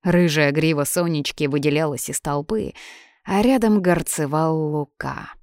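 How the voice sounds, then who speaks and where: A woman's voice: low-pitched, unhurried, a little mellow, dry recording, studio quality. A woman narrating a first-person novel as a hot-tempered young man, in a plain audiobook reading voice.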